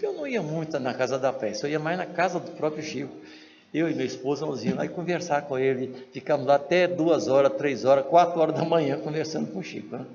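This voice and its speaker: A Brazilian man giving a spiritist lecture, telling a story and acting out the voices in it. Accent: Brazilian Portuguese. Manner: acts out quoted dialogue with lively shifts in pitch. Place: large lecture hall. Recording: lo-fi hall recording with faint noise.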